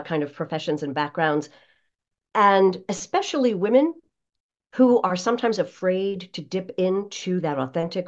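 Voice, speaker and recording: A woman voice coach giving practical tips as an interview guest, speaking in an animated, expressive way. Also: on the low side, lo-fi sound.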